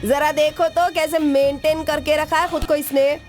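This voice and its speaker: An actress dubbing a brash, bossy female gang boss who talks in rough street slang. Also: high voice, flat delivery, moderate pace, darkish tone, faint music behind, natural voice. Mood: teasing. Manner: swaggering, rough street talk. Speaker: gang leader. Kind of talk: Hindi film dub.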